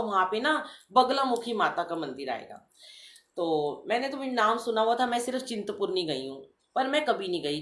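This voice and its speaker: A woman's voice: medium pitch, roomy sound. Middle-aged woman telling a devotional story. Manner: animated storytelling, acting out quoted voices. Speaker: satsang speaker.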